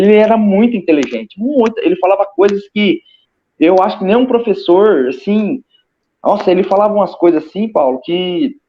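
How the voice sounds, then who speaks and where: A man with a Brazilian Portuguese accent, a guest telling his own story in casual testimony, hesitant, repeating words and acting out gestures. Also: sits high. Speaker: interview guest recounting a near-death experience. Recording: slightly muffled lo-fi audio.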